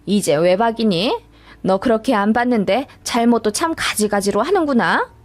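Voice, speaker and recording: A woman's voice: a little high, expressive, normal speed, close to an everyday voice. Woman putting on a nagging older mother-in-law. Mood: scolding. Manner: nagging, accusatory lecturing. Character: scolding older mother-in-law, spiteful and overbearing. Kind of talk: radio story acting.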